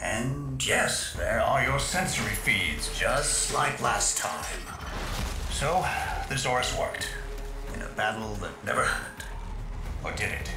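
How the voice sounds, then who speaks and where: An actor playing an allied mission guide in a video game, instructive and emphatic. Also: male voice, medium pitch, lively intonation, slow, roomy sound, music in the background. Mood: puzzled, weary.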